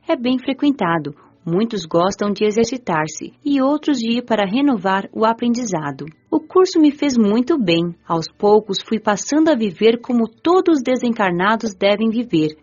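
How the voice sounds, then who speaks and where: A woman playing a serene, grateful young female spirit, narrating a scripted radio drama in a measured, instructive way with a Brazilian accent. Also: medium pitch, darkish tone, lightly acted. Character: nineteen-year-old female spirit, serene, grateful, eager learner. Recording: dull lo-fi audio with music behind. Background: background music.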